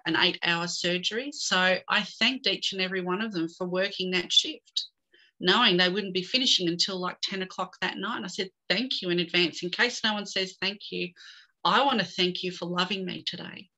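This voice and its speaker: Bright-voiced middle-aged woman guest. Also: lowish voice, a little fast, poor audio. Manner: animated storyteller, tells jokes. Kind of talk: video call interview. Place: home room with bookshelves. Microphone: video call.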